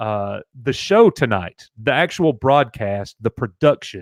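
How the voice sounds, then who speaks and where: With an Alabama accent, a man speaks at a fairly slow pace in an animated tone with very wide pitch swings. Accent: Southern US (Alabama). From Alabama, US South. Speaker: live stream co-host. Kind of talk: casual live stream chat.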